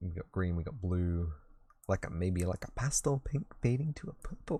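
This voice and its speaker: This man has a British accent and a very deep, low pitch with a dark, mellow tone. He sounds somewhat breathy and speaks at a fairly slow pace with lively intonation. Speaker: game developer streamer. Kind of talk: casual live stream chat. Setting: live stream.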